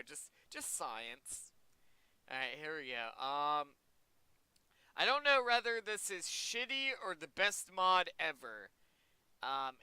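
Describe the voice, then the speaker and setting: Young male host, casual reaction commentary, bright lively voice, smooth and dry. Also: a little high, dry recording, low-quality recording. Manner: rambling, chatty, repeats himself. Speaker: video host.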